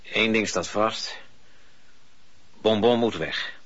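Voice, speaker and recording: Slow, deep, stern husband. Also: male voice, fairly bright tone. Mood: firm, unyielding. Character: stern, firm husband William, soothing yet unyielding. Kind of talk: Dutch radio drama acting. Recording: dull lo-fi radio play recording.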